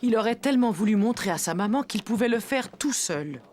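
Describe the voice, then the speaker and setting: A woman narrating a children's cartoon as a gentle storyteller, reading scripted lines with expression. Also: on the high side, expressive, fairly quick, over music, close to an everyday voice. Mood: storytelling.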